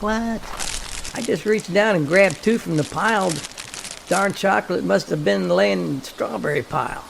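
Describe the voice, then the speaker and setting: A man playing an easygoing, plain-spoken hunting companion with a creaky voice in an amateur audio drama. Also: sits high, moderate pace. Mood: agreeable. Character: agreeable, easygoing hunting buddy in the wilds. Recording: clear background noise.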